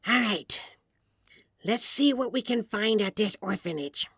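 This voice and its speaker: A woman's voice: medium pitch, expressive, unhurried, fairly bright tone. A woman playing a teasing, impatient female demon who shares a fairy's mind, speaking in a sardonic, coaxing, conversational way for an ASMR audio roleplay. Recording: echoey, long reverb on voice.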